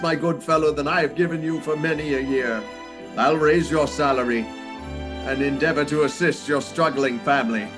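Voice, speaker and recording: An actor playing a reformed old miser uncle in a theatrical radio play, exclamatory and generous, repeating himself for emphasis. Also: male voice, a little high, natural voice. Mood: gleeful.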